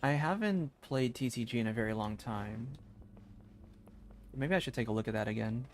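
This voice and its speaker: A man's voice: mid-range voice, moderate pace. A man chatting casually and musingly while streaming a video game. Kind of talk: casual livestream chat while playing. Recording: faint game ambience behind.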